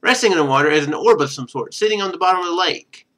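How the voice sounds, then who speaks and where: A man's voice: sits high, animated, fast, bright, forceful tone. A man streaming a game, reading its text aloud and adding casual, wry asides.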